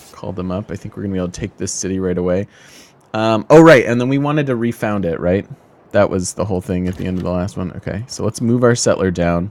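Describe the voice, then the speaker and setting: The man has a fairly low pitch and ordinary pitch variation as he speaks at a very fast pace. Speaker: gaming streamer. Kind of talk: let's play commentary. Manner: casual, halting with fillers.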